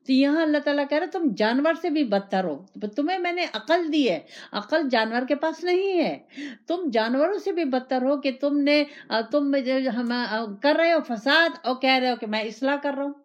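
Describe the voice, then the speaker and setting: A female religious teacher gives an Islamic sermon in a high, expressive voice, repeating phrases and asking rhetorical questions in the first person. The recording is dull and lo-fi.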